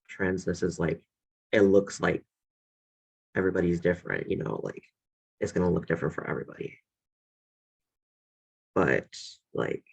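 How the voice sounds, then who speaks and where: A man's voice: deep voice, creaky, slightly rough, rough recording. A young man on a student panel, speaking hesitantly with lots of filler words over a video call. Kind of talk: casual panel discussion.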